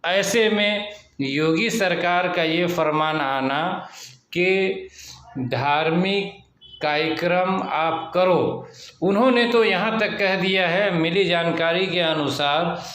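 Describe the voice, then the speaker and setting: A man giving unscripted news commentary, speaking slowly and measuredly with frequent hesitant fillers. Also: high-pitched, fairly bright tone, reverberant.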